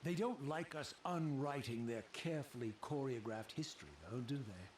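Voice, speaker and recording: An actor playing a proud, defiant undead wraith in a video game, with an eloquent, sardonic, theatrical delivery. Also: male voice, medium pitch, moderate pace, a little mellow, roomy sound, far from the mic, a little hiss or hum, lightly acted. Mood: sardonic, questioning. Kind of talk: dramatic video game voice acting.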